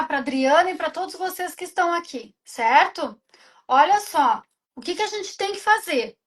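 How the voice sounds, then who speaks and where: With a southern Brazilian accent, a woman speaks at a moderate pace in an animated tone with lively intonation. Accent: gaúcho Brazilian Portuguese. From southern Brazil (Rio Grande do Sul). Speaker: emotional coach and meditation leader. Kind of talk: live stream talk. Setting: live stream.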